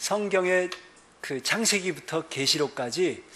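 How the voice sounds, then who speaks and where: At a very slow pace, a man with a high pitch speaks in a bright, sharp tone with lively intonation. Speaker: missionary preacher. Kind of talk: sermon. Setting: church.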